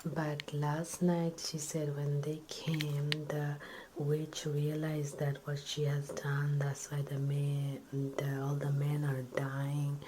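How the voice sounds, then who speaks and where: A woman telling a story in a breathy ASMR whisper, retelling it simply with hesitations and repeats. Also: low voice, completely flat delivery, slow pace, background noise.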